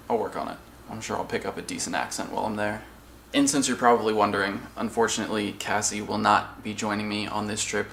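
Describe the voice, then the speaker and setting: A man's voice: lowish voice, vocal fry, fairly bright tone. A man hosting his own vlog, talking casually and rambling to the camera with self-aware asides. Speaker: vlogger and channel host. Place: in stores and a car, noisy surroundings. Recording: noisy background with ambience.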